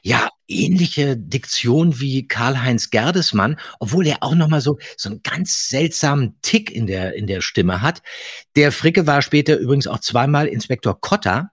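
A man's voice: medium pitch, lively intonation, moderate pace, breathy edge, no echo, clean studio sound. A man co-hosting a podcast in casual chat, talking with keen enthusiasm and telling anecdotes. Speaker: podcast co-host.

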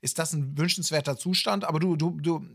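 A man's voice: fairly high pitch, fairly even intonation, a little fast, creaky, a bit bright. A man hosting a conversational interview, circling around his questions with many qualifiers. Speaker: podcast host.

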